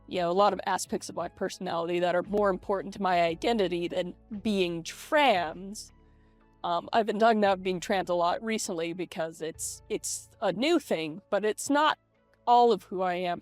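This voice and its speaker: A woman's voice: fairly low pitch, lively intonation, normal speed, dry recording. A middle-aged American woman talking candidly and hesitantly in a casual vlog, her voice run through a voice changer. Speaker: vlogger. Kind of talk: casual confessional vlog to camera. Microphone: webcam setup at a computer. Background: lo-fi game music.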